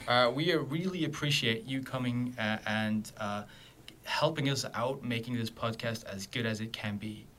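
A man's voice: mid-range voice, moderate pace, a bit bright, a little hiss or hum. A Norwegian man co-hosting a podcast, playful and joking, often stumbling over his words. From Norway. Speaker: podcast co-host. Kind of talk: casual podcast chat.

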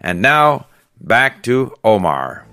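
Calm male guest teacher, steady advice. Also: medium pitch, slow pace, soft background music. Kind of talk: instructional monologue.

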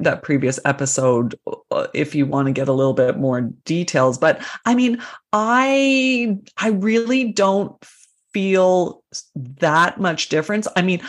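A woman in her forties co-hosting a casual health podcast, talking informally and often circling back over her words. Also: on the low side. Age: 40s. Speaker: podcast co-host.

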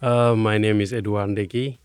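A man from Senegal with a Senegalese accent, a guest sharing his story in a halting, deliberate way. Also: lowish voice, little pitch movement, a little mellow, clean tone, dry recording, faint music behind. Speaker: podcast guest. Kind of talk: personal testimony in conversation.

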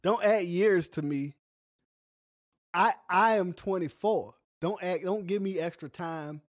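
A man's voice: high voice, measured pace, dry recording, clean studio sound. A man co-hosting a podcast, chatting casually and joking with playful exaggeration. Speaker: podcast co-host.

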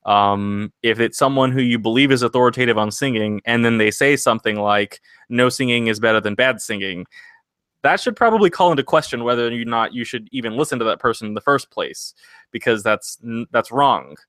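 A man's voice: mid-range voice, a little fast, a bit bright, no room sound. A man hosting a singing podcast, talking casually and earnestly, rambling into motivational encouragement. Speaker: singing podcast host and vocal coach.

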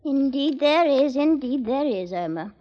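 A high-pitched, fussy, repetitive accomplice; old radio play. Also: female voice, lively intonation, measured pace. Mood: eager. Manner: fussy, repeats herself. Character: fussy eager woman accomplice. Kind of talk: 1940s radio drama acting. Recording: dull old radio recording.

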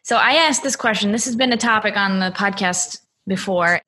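A woman hosting a podcast, asking thoughtful, measured questions of her guest. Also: medium pitch, sharp tone. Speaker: podcast host. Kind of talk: interview questioning.

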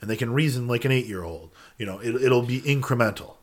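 A man co-hosting a podcast in casual chat, mostly brief interjections and measured, skeptical remarks. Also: medium pitch. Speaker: podcast co-host.

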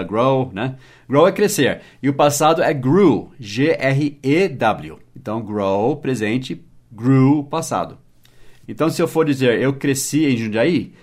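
A man with an ordinary mid-pitched voice hosts a relaxed English lesson podcast. He explains patiently, repeats key words and spells them out letter by letter for his listeners. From United States and Brazil. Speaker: English teacher and podcast host. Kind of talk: casual spoken English lesson.

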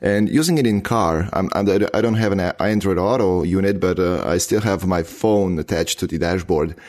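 Brief: deep-voiced male host, non-native English, halting, filler-heavy tech talk. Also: a little mellow. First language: not English. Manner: hesitant, many filler pauses. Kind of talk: casual tech chat.

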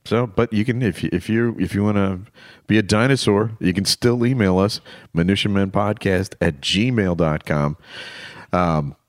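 A man's voice: fairly low pitch, moderate pace, no room sound, clean studio sound. A man co-hosting a podcast, reading show plugs with wry, self-mocking jokes. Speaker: podcast co-host. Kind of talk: casual chat and show plugs.

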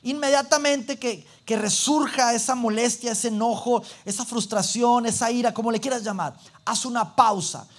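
A man preaching a sermon, animated and acting out little everyday scenes. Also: extremely high pitch, normal speed, hardly any pauses.

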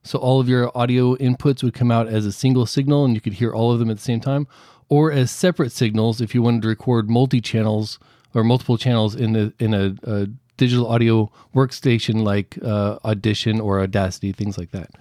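A middle-aged man with a deep voice, explaining audio equipment as a podcast guest with halting restarts. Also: steady tone, warm tone, no room sound, studio quality. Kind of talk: casual explanatory interview.

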